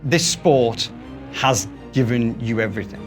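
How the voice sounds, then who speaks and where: A man's voice: mid-range voice, measured pace, soft background music. A man asking short interview questions, heard from a distance. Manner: brief prompting remarks.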